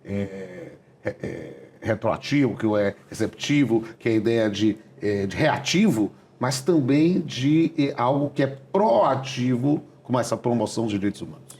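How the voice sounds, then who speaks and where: A man's voice: mid-range voice, animated, moderate pace, darkish tone. Reflective older Brazilian man host. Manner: reflective, searching questions. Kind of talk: interview conversation.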